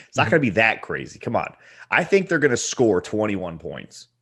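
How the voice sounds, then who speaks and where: A man's voice: lowish voice, huge pitch swings, moderate pace, a bit bright, husky. A man co-hosting a podcast, bantering loosely and playfully with casual swearing. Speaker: podcast co-host.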